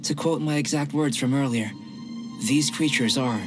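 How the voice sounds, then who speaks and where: An actor playing a calm, curious young male alchemist in a video game, speaking formally and precisely. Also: medium pitch, normal speed, natural voice. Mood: thoughtful. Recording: game music behind the voice.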